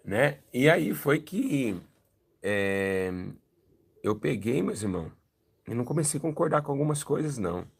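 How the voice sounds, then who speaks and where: A young Brazilian man, a pastor, giving a lively church testimony and acting out the dialogue as he tells it. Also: mid-range voice, unhurried, creaky, husky. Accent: Brazilian Portuguese. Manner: animated storytelling, acting out dialogue.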